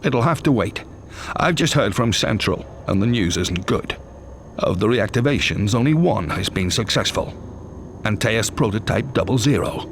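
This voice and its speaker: Game commander: authoritative, brisk, clipped, lively intonation, audible humming ambience behind. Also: male voice, on the low side, slight background noise. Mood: stern, urgent. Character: commanding male senior military officer, brisk, serious. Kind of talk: game cutscene acting, military status briefing.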